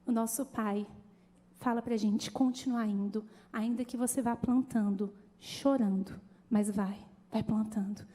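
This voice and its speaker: A woman pastor preaching a sermon in an animated, conversational way, calling out to the congregation. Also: fairly high pitch, a little slow. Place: church. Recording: long church hall reverb.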